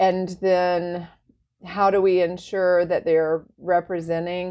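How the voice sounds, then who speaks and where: A woman speaks at a very slow pace with an American accent. Her pitch sits in the medium range. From US South, Athens, Georgia. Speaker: real estate agent. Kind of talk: interview.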